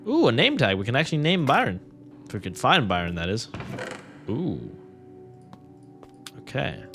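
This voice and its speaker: A man's voice: mid-range voice, huge pitch swings, moderate pace, fairly bright tone, soft background music. A young man casually commenting on his gameplay, rambling and joking with viewers. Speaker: gaming creator. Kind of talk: let's play commentary.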